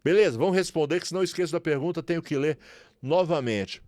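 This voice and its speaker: Chatty Brazilian instructor, dry close sound. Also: male voice, a little high, quick pace, darkish tone, no room sound. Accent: Brazilian Portuguese, São Paulo. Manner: chatty, promotional, repeats tags like "certo?" and "beleza?". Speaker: refrigeration instructor. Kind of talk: casual tutorial talk to viewers.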